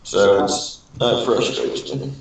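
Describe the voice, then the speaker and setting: A man's voice: mid-range voice, slow. A man chatting casually and telling anecdotes, recorded in a very echoey room at a distance from the mic. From Alabama, United States. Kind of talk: casual chat, storytelling.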